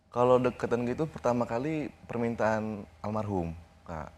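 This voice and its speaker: A young man, a guest on a TV interview, recounting events in a halting, informal way. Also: mid-range voice, darkish tone, slight background noise. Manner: halting, informal, retells conversations step by step.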